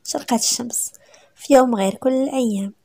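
A woman with a Moroccan accent narrating a romantic story in a dramatic, sometimes hushed way. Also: a little high, quick pace, vocal fry.

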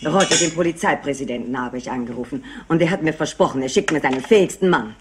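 An actress playing a distraught, worried middle-aged wealthy wife who speaks insistently in a crime drama. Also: female voice, sits low, quick pace, a little hiss or hum, lightly acted. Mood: fretful. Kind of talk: dubbed TV crime drama acting.

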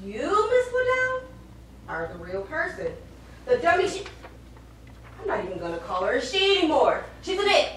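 A woman's voice: sits high, wildly swooping pitch, normal speed, long pauses, a bit bright, full character voice. A woman acting on stage as an exasperated, sarcastic boss figure reasoning with a deluded performer in a comedy play. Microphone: far camera. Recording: very echoey theatre, distant, faint noise.

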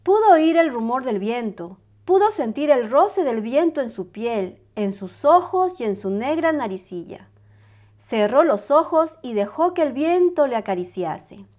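A woman reading a storybook aloud to young children in a bright, sing-song, welcoming manner. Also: sits high, sing-song, a little slow.

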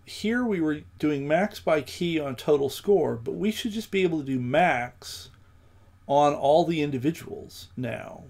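A man with a gravelly, creaky voice talks slowly through live code. He thinks aloud, breaks off into ums and picks his words as he goes. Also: a little high. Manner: thinking aloud, many ums, slow halting speech. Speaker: programming livestream host. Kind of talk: live coding with commentary.

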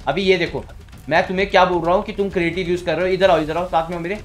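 A man giving live commentary while playing a game, excitable and repeating his words in quick bursts. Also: high-pitched. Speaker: gamer streamer.

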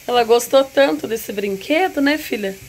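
A woman with a Brazilian Portuguese accent from Paraná chats casually as she cooks step by step in her home kitchen, which has a wood stove, frequently checking in with her viewers. Her voice is high, and the phone-camera recording has food sizzling in the background plus a little hiss or hum.

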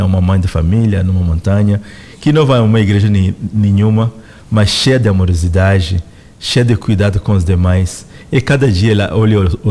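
A middle-aged man with a Congolese accent speaks slowly and thoughtfully into a close studio mic. His voice sits fairly low, and he explains each point with care, as a guest answering interview questions in a radio studio. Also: warm tone. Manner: measured, reflective explaining. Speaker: representative of a spiritual organization, guest. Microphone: studio microphone close in front.

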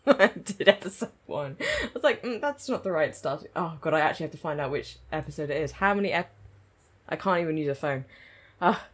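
A woman talks into her own microphone, reacting to a show. Her voice sits on the low side and is husky and breathy. It swings widely up and down as she gushes with excitable fangirl energy. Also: brisk, pauses often. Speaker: anime reaction channel host. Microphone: own desk microphone.

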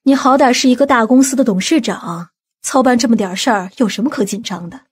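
A domineering aunt from an audiobook drama, acted by a woman. Her voice sits fairly high with a slightly husky edge. She talks in a bossy, scolding way, quick to show irritation. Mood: chiding.

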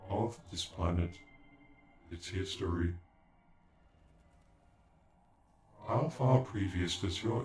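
Deep, glitching ancient android. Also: male voice, darkish tone. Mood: cold, probing. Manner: formal, clipped, stilted robotic phrasing with glitchy stutters. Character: male alien android, ancient, cold, sassy, condescending. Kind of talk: scripted ASMR sci-fi roleplay. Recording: echoing, with music behind.

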